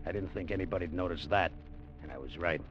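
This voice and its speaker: List: man voicing a scheming sailor, tough narration, deep, lo-fi old radio. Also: quick pace, close to an everyday voice. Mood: brooding. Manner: tough first-person narration. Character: scheming male sailor-diver plotting to take the treasure. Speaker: narrator and lead character. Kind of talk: 1940s radio acting. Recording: muffled old radio broadcast with music.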